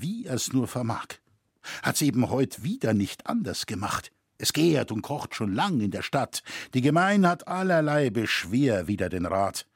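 Man, audiobook narration, expressive, husky, dry close sound. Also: medium pitch, dry recording. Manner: expressive storytelling. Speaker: audiobook reader. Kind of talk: scripted narration of a historical novel.

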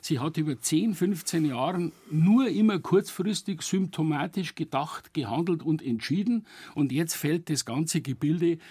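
A man's voice: on the high side, a little slow, warm tone, breathy edge, dry recording. A middle-aged man, a longtime refugee volunteer, criticising policy bluntly as a studio guest and often stumbling and correcting himself. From Germany. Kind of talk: studio radio discussion. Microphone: studio microphone.

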